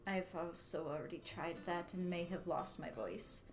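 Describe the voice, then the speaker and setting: A woman's voice: fairly low pitch, fairly even intonation, moderate pace, faint music behind. A woman player chatting casually during a tabletop game, hesitant with many ums and frequent laughs.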